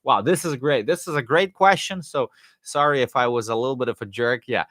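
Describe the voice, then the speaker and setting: A man hosting a live Q&A, answering viewer questions in a loose, rambling way with fillers and restarts, his voice going hoarse. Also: mid-range voice, a little fast, a bit bright, no echo, clean studio sound. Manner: rambling, many fillers and restarts, jokey asides. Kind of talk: casual live-stream Q&A, reading and answering chat questions.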